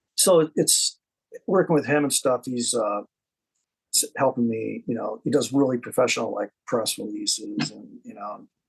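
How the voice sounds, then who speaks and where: A man talks at a moderate pace. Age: 60s. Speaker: record label owner and former guitarist. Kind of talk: interview. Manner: halting, many false starts.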